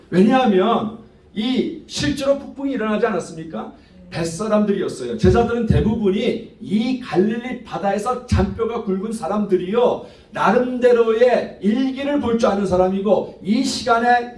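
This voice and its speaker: Guy pastor preaching, voice swoops up and down, english words mixed in, echoey and far from the mic. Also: high-pitched. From Korean diaspora, 1.5-generation immigrant. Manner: mixes English words and phrases into Korean; animated, rhetorical questions to congregation. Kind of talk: sermon. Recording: roomy, distant microphone.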